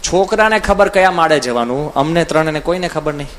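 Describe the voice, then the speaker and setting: A man giving a storytelling sermon as a swami, full of lively anecdotes, acting out the voices of people in his stories. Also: fairly high pitch, brisk, slight background noise. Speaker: swami giving a religious discourse. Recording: audio from a CD recording.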